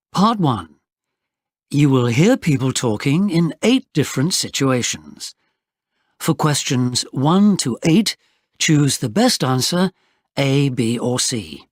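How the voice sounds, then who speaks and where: Slow, breathy exam narrator, a man. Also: a little high, big pitch swings, no room sound, studio quality. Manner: slow, deliberate, very clearly spoken. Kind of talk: scripted test instructions.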